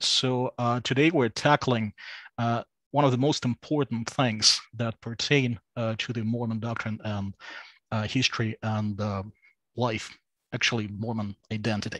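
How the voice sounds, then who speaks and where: Against a quiet background, a man talks at a fairly slow pace with a Russian accent. His medium pitch holds fairly even intonation. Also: dry, close sound with no echo. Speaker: apologetics researcher. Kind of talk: lecture. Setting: live stream. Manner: halting, many fillers.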